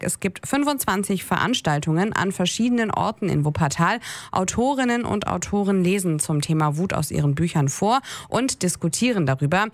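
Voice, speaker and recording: A woman reading a local radio news bulletin in a calm, measured tone. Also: lowish voice, dry recording. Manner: calm, measured, even delivery. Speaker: newsreader. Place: radio studio. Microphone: studio microphone.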